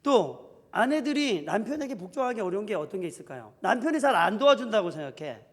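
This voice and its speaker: A male pastor preaching an animated sermon in a church, acting out quoted husbands and wives as he goes. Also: high voice, fairly quick. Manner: animated preaching, acts out spouses' quarrels in quoted voices. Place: church sanctuary. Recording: reverberant church hall.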